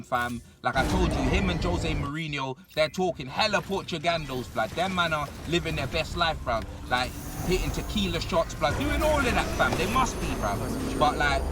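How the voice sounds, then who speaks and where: A young man, giving a comedic, slang-heavy rant as a football fan in an animated, exasperated manner. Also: a little high, distant mic, very noisy.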